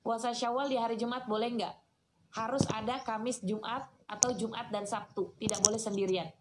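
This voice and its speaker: A woman, giving a lively, chatty sermon and answering questions from the audience. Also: a little high, a little fast, heavy background noise. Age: 40s. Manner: chatty, teasing, addresses listeners as "Kak". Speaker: Islamic preacher.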